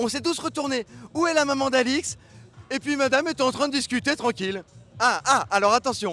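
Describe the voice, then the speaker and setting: A man with an extremely high pitch and a bright, sharp tone raises and projects his voice, speaking at a moderate pace with ordinary pitch variation. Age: 30s. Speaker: padel video series presenter. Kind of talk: casual on-site chat and commentary. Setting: at a padel tournament venue.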